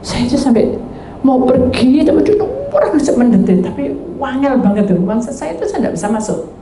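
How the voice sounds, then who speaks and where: Woman pastor, lively storytelling sermon, roomy sound with faint hiss. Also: sits high, normal speed. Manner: animated storytelling, acting out dialogues, addresses congregation. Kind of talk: sermon with testimony. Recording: echoey room with faint background noise.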